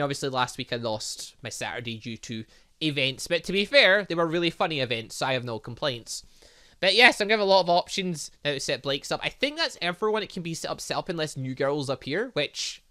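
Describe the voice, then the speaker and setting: A man's voice: a little high, bright, forceful tone. A young man playing a visual novel on his channel, reading the dialogue aloud and rambling through a chatty outro. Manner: chatty, rambling, humming filler sounds. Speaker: gaming YouTuber. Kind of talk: let's play commentary, reading dialogue aloud.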